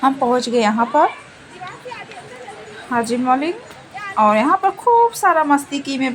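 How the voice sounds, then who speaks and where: Chatty woman with a high-pitched voice. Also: slight background noise, low-quality recording. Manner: chatty, repeats phrases, rambling storytelling. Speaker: vlogger narrating a family trip. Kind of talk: casual travel vlog voice-over.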